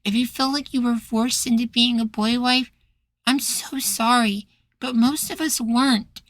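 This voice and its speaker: A man acting a sweet, anxious, devoted young boywife in a soft, pleading ASMR roleplay. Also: very high-pitched, steady tone, unhurried. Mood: gentle, firm.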